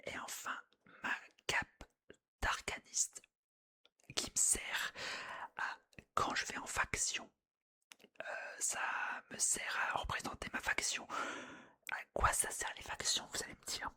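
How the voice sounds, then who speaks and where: A person whispering breathily and closely into the listener's ear, narrating gameplay in a soothing ASMR style and softly repeating phrases. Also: takes it slowly, pauses often. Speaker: gaming ASMR video creator.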